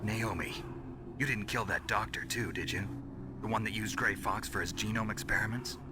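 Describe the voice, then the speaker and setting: A man playing a gruff, world-weary soldier in a dramatic video game, with a gravelly hushed delivery and terse, probing questions. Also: fairly low pitch, steady tone, normal speed, natural voice. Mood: guarded, probing. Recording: loud music behind the voice.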